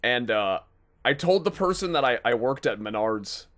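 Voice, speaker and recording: A man's voice: mid-range voice, expressive, normal speed, a bit bright. A young man from North Dakota with a Midwestern American accent, chatting casually and rambling cheerfully over a voice call while he plays and comments. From North Dakota, USA. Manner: rambling, upbeat, laughs easily. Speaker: gaming video host. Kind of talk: casual gameplay chat and commentary.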